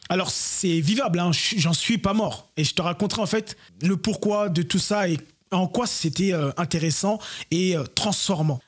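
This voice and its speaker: A young French YouTuber and entrepreneur talks to camera in his personal vlog, speaking earnestly and reflectively to his viewers. His voice is fairly high and slightly rough.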